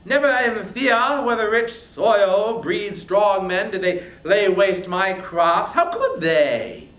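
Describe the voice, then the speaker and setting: Man as headstrong, scornful warrior hero, pitched high. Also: slow, fairly bright tone, roomy sound, poor audio. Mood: indignant fury. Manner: scornful, indignant, emphatic declamation. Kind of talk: dramatic reading of epic poetry.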